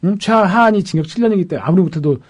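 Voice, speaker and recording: A man, a defense lawyer, telling a case story in a lively panel talk and acting out the people he quotes. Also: high voice, very fast.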